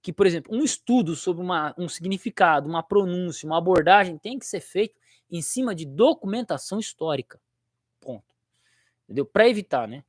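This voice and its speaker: A man's voice: high voice, lively intonation, a little fast, no echo, clean studio sound. A young Brazilian man who teaches theology, chatting casually on his livestream in a rambling, slangy way and laughing easily.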